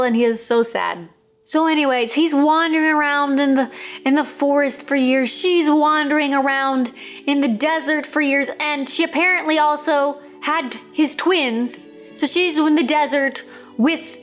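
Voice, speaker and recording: A woman with a high, slightly bright voice hosts a storytelling video. She retells a fairytale casually and animatedly, acting out bits of the dialogue.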